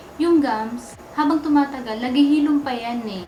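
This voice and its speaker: The woman speaks fairly quickly, her voice carrying audible room echo amid noticeable background noise. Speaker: vlogger. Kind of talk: casual Q&A vlog.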